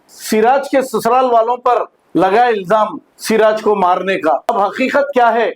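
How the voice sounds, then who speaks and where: A male news anchor reading a brisk, formal voice-over. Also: high-pitched, low-quality recording.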